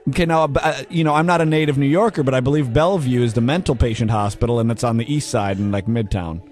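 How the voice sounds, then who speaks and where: Quick, sarcastic male radio host. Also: mid-range voice, a little mellow, soft background music. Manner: sarcastic, pushy questioning. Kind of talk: comic radio banter.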